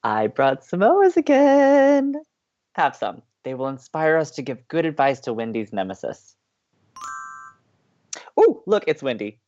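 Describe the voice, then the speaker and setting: A man's voice: on the high side, wildly swooping pitch, unhurried, long pauses, darkish tone, dull audio, slight background noise. A man playing an upbeat, playful young college radio co-host with an American accent, teasing and eager, in audio drama banter. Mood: playful, cheery. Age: young adult.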